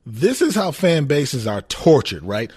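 A man from Minnesota co-hosting a sports talk radio show, talking in animated bursts and laughing as he makes his points. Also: medium pitch, unhurried, breathy edge. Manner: animated, laughs often, stresses words for emphasis. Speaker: fill-in sports radio host.

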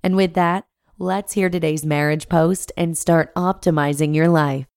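A woman's voice: low-pitched, fairly even intonation, unhurried, a little mellow, clear, resonant tone. A woman hosting a podcast and reading a blog post aloud, a bit congested from a cold, with friendly chatty asides. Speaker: podcast host and narrator.

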